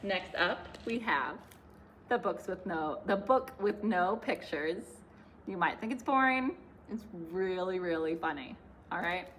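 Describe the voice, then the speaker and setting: A woman's voice: lowish voice, lively intonation, measured pace, a bit bright, slight background noise. A young woman, a children's librarian, leading a class video with book picks, clapping games and finger-play songs in a cheerful sing-song way.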